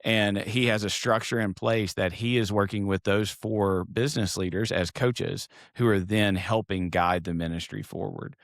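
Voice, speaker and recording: A man's voice: lowish voice, fairly even intonation, normal speed, hardly any pauses, no echo, studio quality. A man hosting a podcast interview, affirming his guest with frequent agreeing murmurs and sharing examples from his church ministry.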